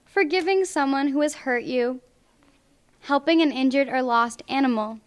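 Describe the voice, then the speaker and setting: A young woman reading a picture book aloud to children in clear, deliberate phrases at a library. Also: high-pitched. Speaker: volunteer storybook reader. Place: public library, indoors.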